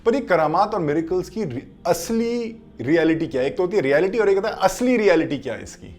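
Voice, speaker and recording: A man teaching through a story in an unhurried religious talk, often pausing to check in with his listeners. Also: high voice, expressive, darkish tone.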